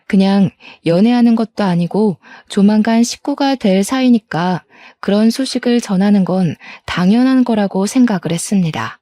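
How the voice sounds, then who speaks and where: A woman's voice: mid-range voice, mellow, no echo. A woman in her thirties reading a first-person story aloud in an aggrieved, complaining tone. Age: 30s.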